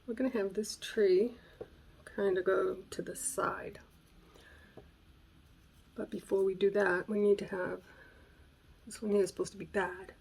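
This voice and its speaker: A woman with a raspy voice hosting a casual craft tutorial at home, thinking aloud and sometimes dropping to a whisper as she works. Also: medium pitch, flat delivery, a little slow, long pauses, a little mellow. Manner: chatty, thinking aloud while working, drops to whispers. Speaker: craft channel host. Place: home craft room on a gray day. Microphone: camera mic, moves close and away while working.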